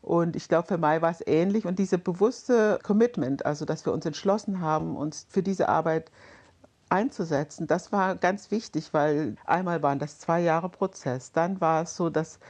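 A woman from Germany answers interview questions in a lowish, reflective voice. She hesitates often with fillers and sometimes lets out a short laugh as she recalls things. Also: normal speed, darkish tone. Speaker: interview guest.

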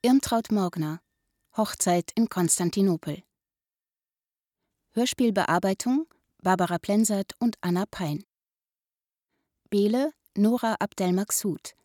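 Mellow woman announcer, dry studio sound. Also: mid-range voice, slow, long pauses, no room sound. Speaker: credits announcer. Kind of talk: scripted radio play credits reading.

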